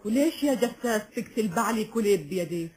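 A woman's voice: mid-range voice, animated, quick pace, darkish tone, slight background noise, close to an everyday voice, low-quality recording. An actress playing an anguished noble Arab lady in a dramatic folk epic. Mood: troubled, questioning. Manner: dramatic, questioning. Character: noble Arab lady of legend, anguished loving sister and wife.

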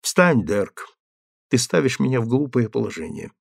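A man voicing a calm, indifferent woman who speaks in a low, muted, flat tone. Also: moderate pace, vocal fry, dry recording, studio quality. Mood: weary. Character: cold, calm woman leaving her husband. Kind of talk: audiobook character reading.

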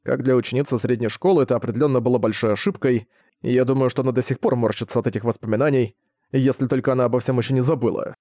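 A man narrating a novel with a mellow, warm tone and a measured, even delivery. He sounds close and dry, with no room around him. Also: mid-range voice, no room sound. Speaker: audiobook narrator. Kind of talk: reading a novel aloud.

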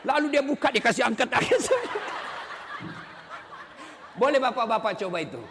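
A man preaching a humorous sermon to women, animated, joking and acting out wives' voices. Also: very high-pitched, fast, noisy background. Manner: animated, mimics wives, jokes. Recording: reverberant hall sound.

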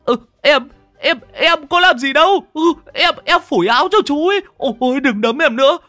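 Storytelling: very high, piercing voice for a whining young male musician pleading to be spared. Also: expressive, normal speed, pushed and bright, no room sound, faint music behind, full character voice. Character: scrawny young male street musician, beaten, begging.

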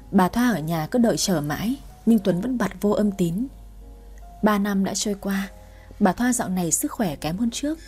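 A woman's voice: medium pitch, dark tone, slightly rough. A woman in her twenties narrating her own sad family story in a sorrowful, reflective way. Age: 20s. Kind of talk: first-person story narration.

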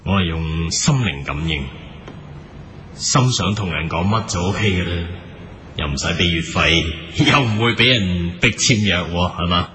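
A man playing a deadpan team captain in a comedy radio drama. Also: sits low, a little slow, roomy sound, slight background noise. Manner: deadpan, bursts into shouting battle cries.

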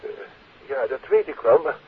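A man's voice: medium pitch, expressive, moderate pace, breathy edge. An actor playing a worried, apologetic doctor and father on a telephone in a 1950s radio drama. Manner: hesitant, apologetic. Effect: telephone filter. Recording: thin, tinny phone line.

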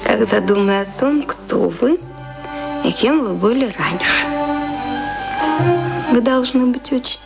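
A well-bred, naive young lady in a radio play. Her voice is high, prim yet affectionate, with anxious, hesitant repetitions. Music plays clearly behind her. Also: lively intonation, slow, pauses often, full character voice. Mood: tender, timid. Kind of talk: Russian radio play acting.

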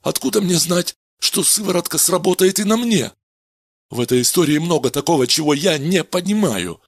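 A frightened man in a storybook, pleading and protesting in a voice pushed well above normal, as a male narrator puts him on. His tone is husky and swings widely, close and dry on the mic. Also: a little high, animated, normal speed, dry recording, voice pushed up. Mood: worried. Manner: anxious, insistent, rising to cries.

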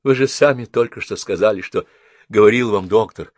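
A man voicing a gentle, grieving young woman in an audiobook, speaking earnestly and pleadingly. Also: lowish voice, animated, a little slow, no room sound, voice pushed up. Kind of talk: audiobook character voice.

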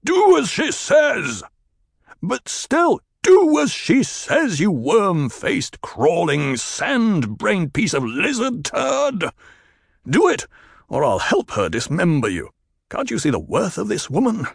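A man voicing a gruff, blustering desert tribal leader who bellows insults. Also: mid-range voice, wildly swooping pitch, measured pace, no room sound, clean studio sound, voice pushed up, full character voice. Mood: roaring.

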